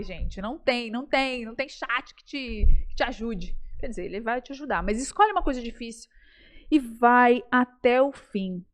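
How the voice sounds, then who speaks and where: A Brazilian woman speaking as a guest in a casual podcast interview, animated and playful, often addressing the audience directly. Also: a little high. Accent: Brazilian Portuguese.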